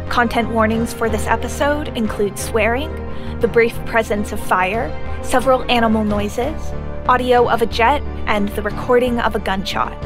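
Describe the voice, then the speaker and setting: A woman reading a scripted show intro and content warnings in a measured way. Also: a little high, over music. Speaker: show announcer.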